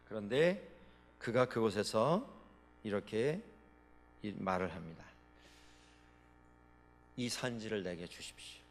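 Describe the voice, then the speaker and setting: Guy preaching in a big church, voice ringing out in long reverb, goes loud then drops quiet. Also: on the high side. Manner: dramatic preaching, swinging between loud proclamations and quiet asides. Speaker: pastor. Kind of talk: sermon. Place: church sanctuary. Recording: long reverb of a large hall.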